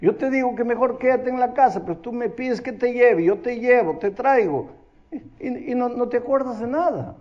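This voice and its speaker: A man's voice: very high voice, normal speed, a little mellow, dull audio, pitched above the performer's own voice. A man voicing a teasing, impatient grandson who keeps questioning his grandmother. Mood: mocking. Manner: exasperated, pleading questions. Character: mocking teenage grandson, impatient.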